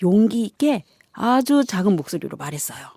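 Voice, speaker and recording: A woman hosting a children's story program on the radio, reading in an expressive storybook manner. Her mid-pitched voice moves with lively intonation and has a soft, mellow tone. The recording is dry and close. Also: moderate pace, no echo. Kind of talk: storybook narration on community radio.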